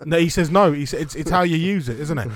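A man's voice: on the high side, fast talker. A man with a London accent hosting a radio show with cheeky, jokey banter and mock advert reads. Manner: cheeky, innuendo-laden.

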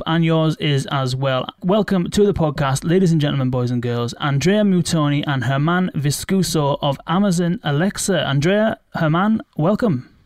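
A man's voice: fairly high pitch, no room sound. Upbeat British male host, playful banter, dry close sound. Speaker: podcast host. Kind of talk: casual interview chat.

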